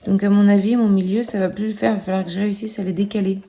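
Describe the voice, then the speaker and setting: Gravelly-voiced woman talking thru a craft tutorial, jokey and self-mocking, echoey room. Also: mid-range voice, flat delivery, rapid-fire, warm tone, slight background noise. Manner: playful, self-mocking, swears casually, counts knots aloud. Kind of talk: chatty hands-on tutorial. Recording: roomy echo.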